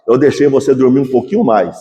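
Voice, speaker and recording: Casting: a pastor doing a calm fatherly God, gentle and reassuring, in an echoey church hall. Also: medium pitch, fast talker, pitched below the performer's own voice, close to an everyday voice.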